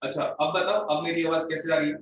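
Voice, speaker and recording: A man teaching in a fairly high voice, with his words bouncing back in a heavy canyon-like echo. He sounds distant from a studio mic, with faint noise underneath. He talks in a straight, firm and blunt way. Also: fairly even intonation, fast talker, dull audio. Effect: heavy echo, as if shouting in a canyon. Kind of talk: live online electronics class.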